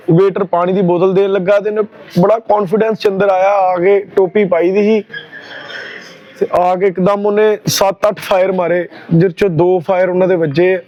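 A man with a Punjabi accent speaking as an interviewee, giving his account in a news interview. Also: high voice. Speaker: victim's relative, interviewee. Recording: dull, muffled field recording.

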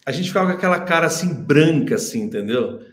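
Animated paulista man telling stories, echoey room. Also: fairly high pitch, fast. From Brazil. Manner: animated, laughing storyteller who acts out quotes. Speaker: singing teacher. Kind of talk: casual storytelling on a live Q&A stream.

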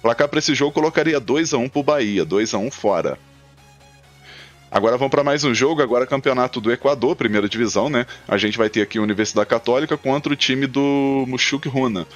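Fast-talking Brazilian man giving betting tips. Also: mid-range voice, highs cut off, soft background music. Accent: Brazilian Portuguese. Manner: frequent tag questions, steady rundown of stats and picks. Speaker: football betting tipster. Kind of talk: casual match-preview commentary. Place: small indoor room.

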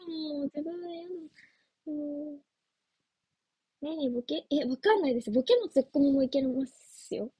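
A woman's voice: high-pitched, moderate pace, pauses often, mellow, dry recording. A young woman chatting casually on a livestream as an idol trainee, giggly and playful as she answers viewer comments. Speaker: idol trainee streaming live.

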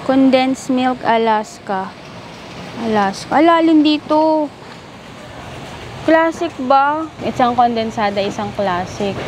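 A woman's voice: sits high, expressive, slow pace, long pauses. A young woman casually narrating a shopping vlog, chatting and reading out product names and prices, filmed on a handheld camera at arm's length in a large supermarket. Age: young adult. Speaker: vlogger. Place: large air-conditioned supermarket. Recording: noisy store ambience.

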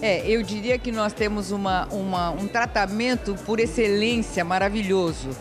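A man's voice: sits high, moderate pace, over music. A man with a Brazilian Portuguese accent, speaking earnestly and formally about caring for children. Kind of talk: interview answer.

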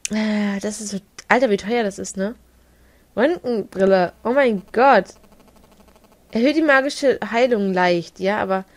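A woman giving casual, chatty video game commentary, giggling often and stumbling over her words. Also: medium pitch. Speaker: let's play gamer. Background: faint game music.

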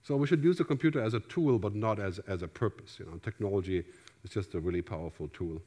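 A man's voice: fairly low pitch, fast talker, dark tone. Middle-aged man giving a casual keynote. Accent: German. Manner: conversational, gestures widely, asks "right?" often. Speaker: keynote speaker. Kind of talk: conference keynote talk. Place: large theater stage with an audience. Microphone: headset mic.

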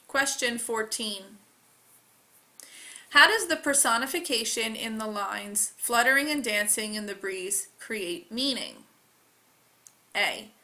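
A woman reads test material aloud with careful, deliberate delivery. Her voice is fairly high and bright, and she takes her time over each phrase. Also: animated. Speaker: test reader. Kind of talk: slow read-aloud of test questions.

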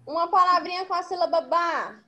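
A woman teacher on a video call, slowly and patiently guiding young children as she traces letters during a dictation. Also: extremely high pitch, pushed and bright, low-quality recording. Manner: slow, patient, demonstrative letter tracing. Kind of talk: online class dictation.

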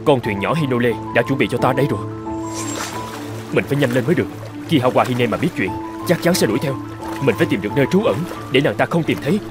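Man acting a quick-talking tribal chief. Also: medium pitch, animated, music in the background, close to an everyday voice. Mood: urgent. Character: brawny male tribal chief, scheming captive husband. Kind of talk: animated fairy tale dubbing.

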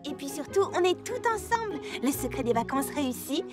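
A woman's voice: high-pitched, very animated, a little fast, music in the background. A woman voicing a sweet, contented young girl in a French children's cartoon dub.

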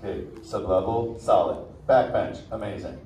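A man's voice: lowish voice, normal speed, warm tone, close to an everyday voice. A man voicing a laid-back male surfer sea turtle who drawls "dude" and "man" through a live show. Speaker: live show performer talking with an audience. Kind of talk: live interactive theme show. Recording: roomy, distant mic, ambient noise.

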